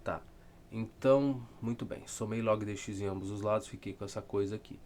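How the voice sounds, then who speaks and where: A man with a southern Brazilian accent tutors math casually, working through textbook problems aloud in a rambling way with dry, self-deprecating humour. His voice is fairly low, a little fast and slightly mellow, with a bit of hiss or hum.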